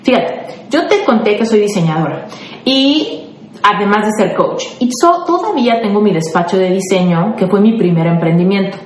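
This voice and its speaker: A woman's voice: medium pitch, animated, moderate pace, reverberant. A woman with a Mexican accent, a life coach hosting a podcast, giving listeners motivational advice in a conversational way. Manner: warm, conversational, answers listeners by name.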